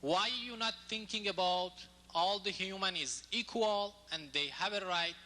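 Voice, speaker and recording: A man's voice: sits high, sharp tone. Insistent man from Iran, echoey hall. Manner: halting, non-native phrasing, insistent. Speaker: audience member asking a question. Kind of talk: heated question from the floor.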